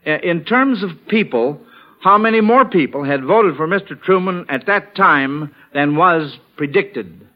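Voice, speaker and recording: A man hosting an old-time radio quiz show, reading questions deliberately and moving contestants along politely and encouragingly. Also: a little high, lively intonation. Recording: dull, band-limited 1940s radio recording.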